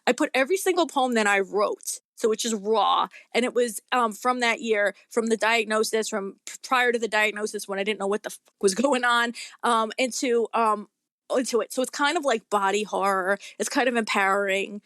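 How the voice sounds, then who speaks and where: A woman's voice: on the high side, moderate pace, fairly bright tone, no room sound, clean studio sound. A woman chatting casually as an interview guest, talking in an earnest, rambling and emphatic way. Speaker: guest author.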